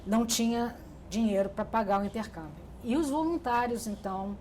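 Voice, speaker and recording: A woman's voice: a little high, moderate pace, a little mellow, slight background noise. Reflective woman recalling her youth. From Brazil. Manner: reflective, with frequent restarts and fillers. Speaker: interviewee. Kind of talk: oral history interview.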